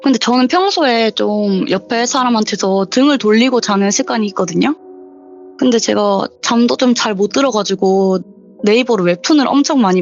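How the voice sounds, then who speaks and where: Telling a true scary story as a caller on a voice call, a twenty-something woman chats casually and acts out the dialogue. Her medium-pitched voice is gravelly, and the recording is muffled.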